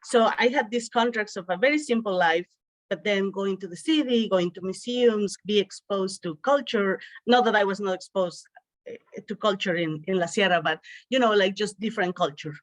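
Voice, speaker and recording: A woman's voice: medium pitch, moderate pace, no echo. Mexican-accented woman, dry close sound. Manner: chatty, frequent um and uh fillers. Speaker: guest. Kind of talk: casual interview storytelling.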